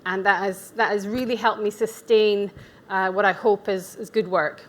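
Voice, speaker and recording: This is a mid-range, slightly bright female voice with fairly even intonation and a moderate pace. The speaker, a Scottish woman in her forties working in nutrition, addresses a conference at an event venue in a chatty, candid way, adding asides and self-deprecating jokes.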